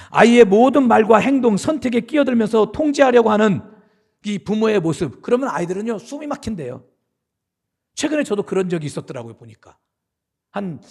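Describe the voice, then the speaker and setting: A man's voice: high voice, vocal fry, breathy edge. A middle-aged man, the senior pastor, preaching a sermon in a church sanctuary in a conversational way, asking his listeners questions.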